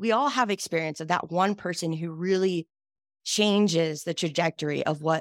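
A woman speaks with an American accent at a fairly low pitch. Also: dry, close sound with no echo, very clean recording, silent background. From New Jersey. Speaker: podcast host and coach. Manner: enthusiastic, warm.

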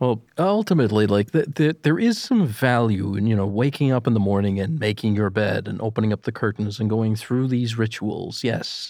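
This is a normal speaking voice from a man at a medium pitch, with ordinary pitch variation. He keeps a moderate pace with hardly any pauses against a quiet background. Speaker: podcast co-host. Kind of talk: casual chat.

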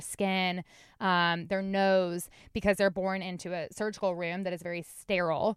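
A woman speaks at a medium pitch with an American accent. The sound is dry and close with no echo, in a very clean recording with a silent background. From US South, Atlanta, Georgia. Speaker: functional medicine clinic founder. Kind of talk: interview. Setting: in a car.

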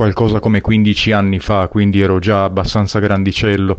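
At a moderate pace, a man talks in a fairly low, a normal speaking voice. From Settimo Torinese, near Turin, northern Italy. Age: 40s. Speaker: contemporary art curator. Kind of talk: recorded interview monologue.

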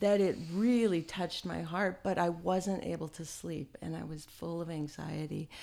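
A woman speaks at an unhurried, moderate speed in a plain, everyday voice, her pitch varying in an ordinary way. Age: 60s. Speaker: retired nurse and chiropractor. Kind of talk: interview testimony.

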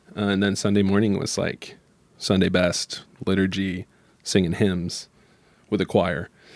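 With an American accent and a very deep, low pitch, a man speaks in monotone, flat intonation at a fairly slow pace, leaving long, frequent pauses. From Michigan. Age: 30s. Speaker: worship leader. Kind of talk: interview about faith.

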